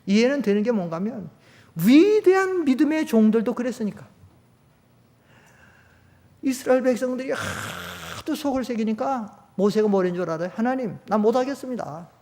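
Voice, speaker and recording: An older man, a pastor, preaching a sermon in a church, talking conversationally and swinging between loud emphatic peaks and low quiet storytelling. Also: lively intonation, normal speed, long pauses. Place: church sanctuary.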